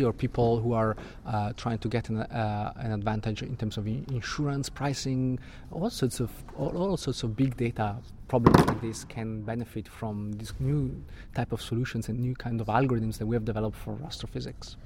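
A man's voice: medium pitch, fairly even intonation, normal speed, mellow, a little hiss or hum. A middle-aged man from Switzerland, answering interview questions as a guest astrophysicist and often repeating words as he restarts.

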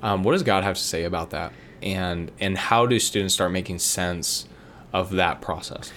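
Really deep-voiced guy, reflective, lots of likes and ums, faint hiss. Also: moderate pace, a bit bright. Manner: reflective, frequent verbal fillers. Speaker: podcast co-host. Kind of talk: casual faith discussion.

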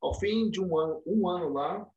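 Speaking at a normal speed in a voice that sits high, a Brazilian man, a professor of dentistry, recounts stories during a casual remote interview. The remote call microphone cuts off the highs. He's animated and dramatizes the lines he quotes.

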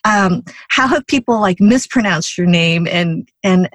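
A woman's voice: medium pitch, unhurried, no echo. A woman hosting a podcast interview, asking chatty questions with many fillers. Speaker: podcast host. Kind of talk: conversational interview.

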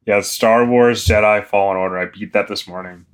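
A young man co-hosting a casual podcast, dry and deadpan, precise about small details. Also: fairly low pitch, moderate pace. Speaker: podcast co-host. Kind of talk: casual chat.

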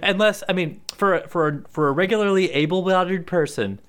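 A man with a fairly high voice, picking apart ideas in casual banter. He sounds skeptical and deliberate, pressing each point with questions. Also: a bit bright. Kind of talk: casual comedic chat.

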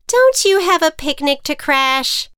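Storybook figure: a high-strung, defensive butterfly girl, voiced by a woman, pitched up, dry close sound. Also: very animated, measured pace, bright, forceful tone, no echo, full character voice. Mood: fretful. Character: timid, prim female butterfly afraid to fly.

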